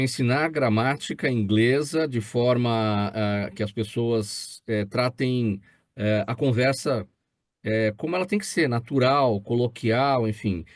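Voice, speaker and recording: A man hosting a talk show, asking slow, rambling questions full of fillers. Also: medium pitch, dry recording, clean studio sound. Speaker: host.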